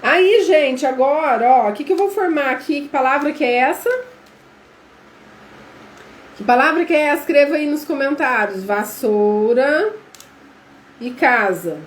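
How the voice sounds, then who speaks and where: Her voice sits high, and she takes her time, pausing often. She's a Brazilian woman with a Brazilian Portuguese accent teaching a live online class, talkative and quizzing viewers she calls "gente." The recording has room echo and faint background noise.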